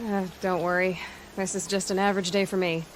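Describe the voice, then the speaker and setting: An actress playing a headstrong, skeptical young tribal huntress in a video game, with a dry, direct, sardonic delivery. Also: female voice, lowish voice, flat delivery, brisk, a little hiss or hum, close to an everyday voice, low-quality recording. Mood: dry, probing. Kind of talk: video game drama acting. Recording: music under the voice.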